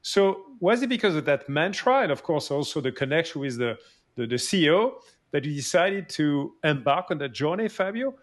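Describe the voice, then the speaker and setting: A male podcast host with a voice a little above the usual pitch for a man. He asks long, looping questions and fills his guest's answers with short yeahs and yeses. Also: sing-song, moderate pace. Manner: rambling questions with many "yeah" and "yes" backchannels. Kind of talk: interviewer asking questions.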